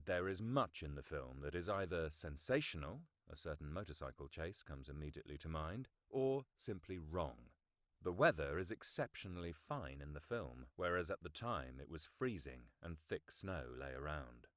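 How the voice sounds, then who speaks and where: A middle-aged man narrates nonfiction with a low-pitched voice and very varied intonation. His delivery is formal, articulate and measured. The sound is close and dry, with hardly any room in it. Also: dry recording. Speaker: audiobook narrator. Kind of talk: scripted nonfiction audiobook narration.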